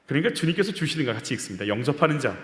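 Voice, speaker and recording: A man preaching a sermon as senior pastor at a Friday prayer meeting. He is impassioned, swings between loud outbursts and quiet murmurs, and asks the congregation rhetorical questions. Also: mid-range voice, very animated, very fast, a little hiss or hum. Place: church sanctuary. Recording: echoey church hall reverb.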